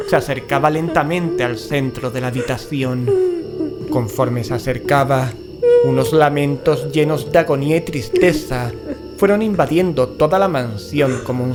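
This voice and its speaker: An actor playing a frightened, cautious paranormal investigator in a horror audio drama, grave and dramatic. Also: male voice, medium pitch, natural voice. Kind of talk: first-person horror audio drama narration and acting.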